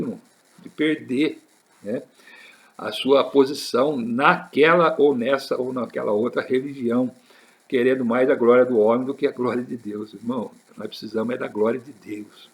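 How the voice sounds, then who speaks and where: A man preaching a sermon, repeating his points with emphasis and addressing the listeners as brothers. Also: medium pitch.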